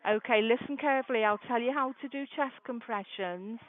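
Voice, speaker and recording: A woman working as an emergency dispatcher, calmly and methodically giving step-by-step first aid instructions over the phone with an encouraging manner. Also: fairly high pitch, fairly quick. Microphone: telephone call. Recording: narrow, muffled emergency phone line.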